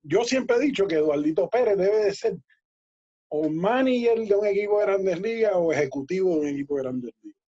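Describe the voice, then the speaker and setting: A man, a guest telling lively baseball anecdotes in a casual interview, laughing and acting out quoted dialogue. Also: high-pitched, a little fast, breathy edge. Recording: dull lo-fi audio.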